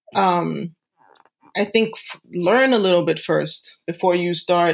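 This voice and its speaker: Pitched fairly low, a woman talks with vocal fry and fairly even intonation. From rural Germany. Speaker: medium and spiritual teacher. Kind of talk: interview, casual chat.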